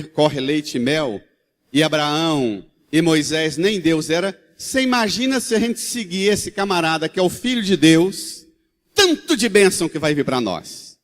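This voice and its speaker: Priest, slightly high voice, folksy storytelling sermon, long reverb of a big church. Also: male voice. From Brazil. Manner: storytelling, animated, with colloquial asides. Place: large church.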